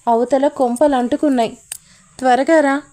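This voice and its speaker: A man's voice: very high voice, fairly even intonation, normal speed, warm tone. A woman voicing a panicked man who speaks urgently and out of breath in an audio story. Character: panicked, breathless male friend.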